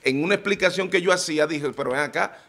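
A man's voice: fairly high pitch, quick pace. Man, TV panel debate, emphatic, desk microphone. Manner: emphatic, rising to forceful questions. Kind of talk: heated political panel debate. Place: TV studio.

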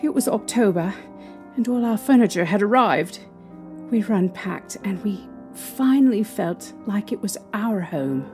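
A woman playing a frightened young mother in an audio drama, recounting a haunting with halting, emotional delivery. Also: mid-range voice, lively intonation, a little mellow, natural voice. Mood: uneasy recollection. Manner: halting, emotional storytelling with trembling pauses. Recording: eerie music behind.

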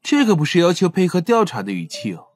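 A man's voice: sits high, huge pitch swings, quick pace, soft background music, pitched above the performer's own voice. A man voicing a smug, flirtatious male crime suspect in an audiobook, teasing and nonchalant.

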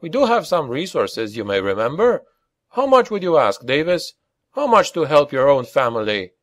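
Man acting a smug sceptic, dismissive, pointed, higher swooping voice, audiobook character. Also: sing-song, normal speed, no echo, studio quality.

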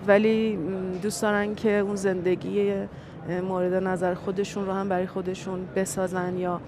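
A young woman from Ardabil with an Azerbaijani-tinged accent, answering interview questions in a TV studio, pausing often and thinking aloud. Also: mid-range voice, little pitch movement, crowd noise. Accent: Azerbaijani-tinged Persian. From Ardabil, Iran. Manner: hesitant, thoughtful, many pauses and fillers. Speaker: actress guest. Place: indoor TV studio set.

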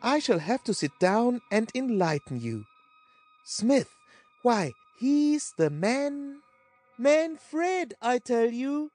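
A woman's voice: fairly high pitch, big pitch swings, takes it slowly, mellow, no room sound, faint music behind, full character voice. A woman playing an affected, exclamatory society gossip in a comic period story. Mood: gossipy, scolding. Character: chattering society gossips at cards and dances.

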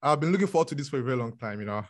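A man with a Nigerian accent hosts a podcast over a video call. His voice sits at a middle pitch. He talks haltingly, restarting his sentences and leaning on fillers. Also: animated. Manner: halting, many restarts and fillers, repeats "actually" and "honestly". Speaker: podcast host. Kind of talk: podcast interview.

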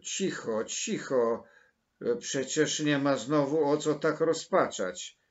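A man voicing a stern older spinster woman with a sharp, scolding way of exclaiming. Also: lowish voice, very animated, slow pace, muffled recording, exaggerated voice. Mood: gruff.

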